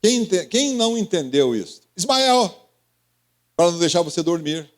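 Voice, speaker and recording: A Brazilian pastor preaches an interactive sermon, calling on congregation members by name with questions and teasing. His voice sits high with big pitch swings and a Brazilian Portuguese accent, at a normal speed.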